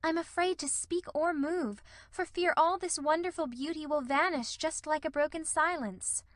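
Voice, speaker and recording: High-voiced young woman as a female reader plays her, storybook heroine, earnest, proper, expressive, close dry sound. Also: normal speed, no room sound. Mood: breathless, flustered. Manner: expressive, proper, feeling speech. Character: earnest, sensitive, gently scolding young woman.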